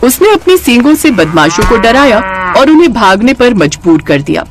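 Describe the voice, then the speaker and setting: A woman tells a children's cartoon story, her pitch rising and falling widely. Faint music plays under her narration. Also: normal speed. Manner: lively storytelling.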